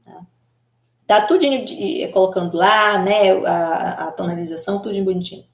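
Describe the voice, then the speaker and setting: A woman hair color specialist from Belém speaks in a loose, giggly, conversational way and keeps tossing tag questions at her viewers. Her voice sits at an ordinary middle pitch. The room around her rings with a noticeable echo. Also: moderate pace, creaky. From Belém do Pará, Brazil. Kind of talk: casual live chat answering viewers.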